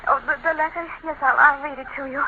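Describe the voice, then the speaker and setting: An actress playing an anxious hospital nurse in a 1940s radio drama, flustered and urgent. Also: female voice, high-pitched, fairly even intonation, quick pace, pushed and bright, slight background noise. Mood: alarmed. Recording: muffled 1940s radio broadcast.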